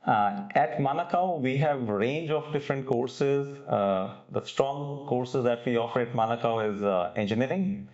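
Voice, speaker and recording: A man's voice: medium pitch, moderate pace, few pauses, darkish tone, highs cut off. A man interviewing a guest, asking polite questions with many hesitant fillers, then closing with a promo.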